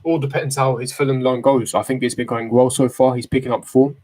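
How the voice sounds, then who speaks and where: A young man of about eighteen talks casually to a livestream chat at a mid pitch. He is slangy and opinionated, often repeating a phrase to press his point. The voice is picked up by a desk microphone in a bedroom. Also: flat delivery, brisk, darkish tone. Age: 18, late teens. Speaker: football fan streamer. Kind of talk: casual livestream chat, reading and answering viewer comments. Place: small bedroom, indoors. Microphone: desk microphone close in front.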